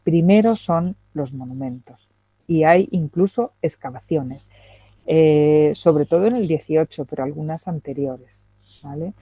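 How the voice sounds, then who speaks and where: A woman's voice: sits low, unhurried, dark tone, no echo. A middle-aged woman giving an academic lecture, talking hesitantly with many fillers and checking questions. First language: Spanish. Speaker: guest lecturer. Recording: dull lo-fi video call audio.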